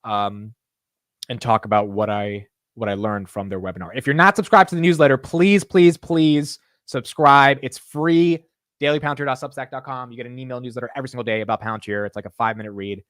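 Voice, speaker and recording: A man's voice: medium pitch, a little fast, no echo, studio quality. A young man hosting a casual livestream, talking animatedly and jokingly with his chat viewers. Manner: animated, self-mocking, talks to chat. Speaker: livestream host.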